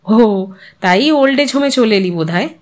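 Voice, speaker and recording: A woman narrator plays an older widow in an audio story. Her voice is high, and she probes gently and sympathetically, like the curious old school friend she is. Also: lively intonation, moderate pace, close to an everyday voice. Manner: probing, sympathetic questioning.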